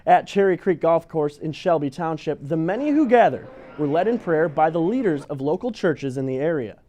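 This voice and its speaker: Male local newsreader, high pitch, mellow tone, reading scripted items. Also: animated, normal speed. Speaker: local news presenter. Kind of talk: scripted news narration.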